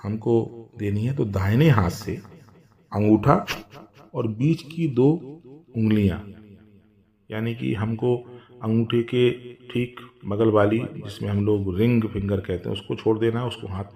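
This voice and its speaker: A man patiently explaining a home fire ritual step by step, with drawn-out chanted mantras. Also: fairly low pitch, mellow. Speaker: religious instructor.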